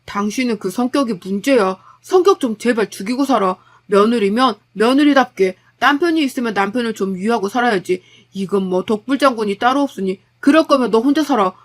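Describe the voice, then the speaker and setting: Lady playing a fed-up young husband, lower voice, blunt and arguing. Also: lively intonation, a little fast.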